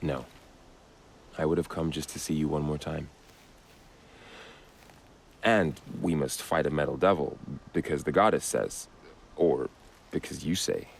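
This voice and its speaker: A man playing an earnest young tribal warrior in a video game cutscene, speaking in a solemn, sincere and measured way. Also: extremely low pitch, gravelly, a little hiss or hum, heavily acted. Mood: quiet, devoted.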